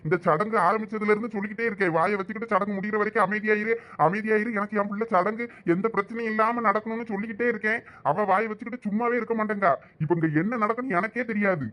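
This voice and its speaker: A man's voice: high voice, fairly even intonation, quick pace, fairly bright tone. A man playing a stern village family man with a Thoothukudi Tamil accent, rebuking others. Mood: exasperated.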